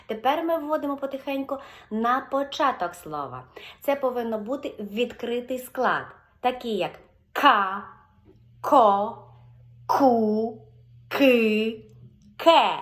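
A woman with a Ukrainian accent, a speech therapist teaching a video lesson and slowly drawing out sample syllables and words. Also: on the high side. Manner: slow, drawn-out modeling of syllables and words.

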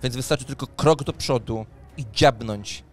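A man's voice: mid-range voice, normal speed. Male game master telling a story over music. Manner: descriptive, dramatic storytelling. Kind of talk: narrating a tabletop fantasy roleplaying game. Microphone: close microphone on a boom arm, headset on.

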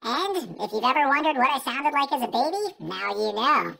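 A man speaking through a voice changer that shifts him up into a squeaky helium or baby voice. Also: lively intonation, normal speed, creaky, over music, heavily acted. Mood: silly. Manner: squeaky, high-pitched. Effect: software voice changer, high pitch shift.

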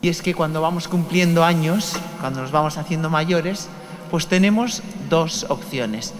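Sacerdote español con eco de catedral. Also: male voice, on the high side, measured pace, faint music behind. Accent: Spanish from Spain. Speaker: Catholic priest leading Mass. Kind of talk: homily and liturgical prayer. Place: large stone cathedral, indoors. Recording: long cathedral echo with noise.

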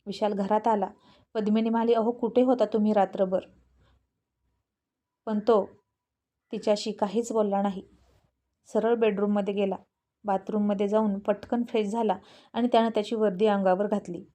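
A woman narrating a serialized family drama story at a measured, steady pace. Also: medium pitch.

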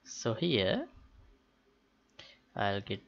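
A man talking through a software tutorial unscripted, thinking aloud in a halting way with pauses mid-sentence. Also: lowish voice, wildly swooping pitch, creaky. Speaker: tutorial host. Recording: dull, muffled lo-fi voice-over. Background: keyboard typing and mouse clicks.

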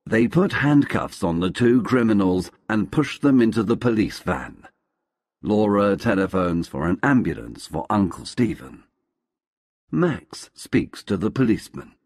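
A man narrating a storybook for English learners in a slow, clear, expressive way. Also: on the low side, no echo, studio quality.

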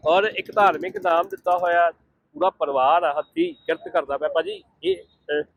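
A man's voice: on the high side, fairly even intonation, normal speed, no echo, muffled recording. A male reporter, interviewing a family at a street food stall with friendly questions.

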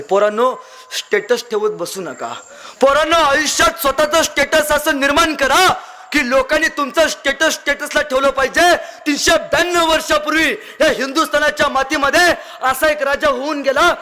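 A man's voice: very high-pitched, pushed and bright. A young man telling a dramatic story as a public speaker, declaiming and repeating phrases for emphasis. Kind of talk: fiery storytelling speech.

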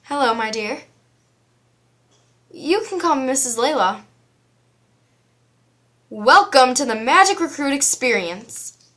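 Woman acting a welcoming lady hostess, formal, sweetly polite, slow, amateur series character. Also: high-pitched, expressive, a bit bright, full character voice. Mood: gracious.

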